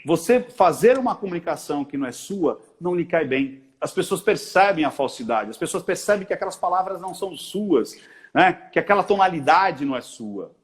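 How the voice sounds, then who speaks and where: Brazilian man, body-language expert, chatty interview explainer who slips into quoted bits; fairly high-pitched, swooping voice. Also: brisk. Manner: animated, acts out little quoted dialogues.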